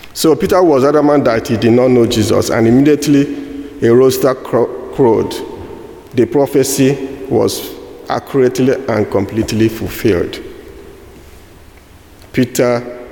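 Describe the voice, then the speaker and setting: A man with a Nigerian accent preaching a sermon, slow and halting with fillers and restarts. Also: mid-range voice, vocal fry, darkish tone. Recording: echoey hall with long reverb.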